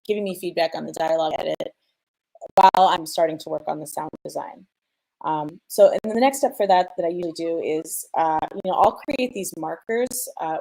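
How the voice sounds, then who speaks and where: Low, creaky-voiced woman explaining her craft. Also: warm tone, poor audio. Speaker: sound designer sharing mixing advice. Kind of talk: informal panel explanation.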